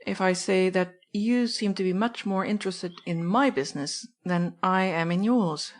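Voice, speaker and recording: A woman's voice: medium pitch, normal speed, close to an everyday voice. A woman reading an audiobook, voicing a composed man who speaks curtly and firmly. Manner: curt, firm. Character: composed adult man, curt and commanding.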